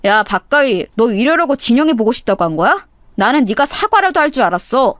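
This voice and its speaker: A woman's voice: a little high, big pitch swings, brisk, dry recording, clean studio sound. A woman voicing a blunt, protective husband who scolds a rude guest. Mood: indignant.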